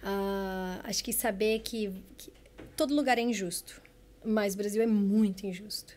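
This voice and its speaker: A woman of medium pitch talks at a fairly slow pace, with long, frequent pauses. Her intonation stays fairly even while her loudness swings widely. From Brazil. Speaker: physiotherapist. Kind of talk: interview.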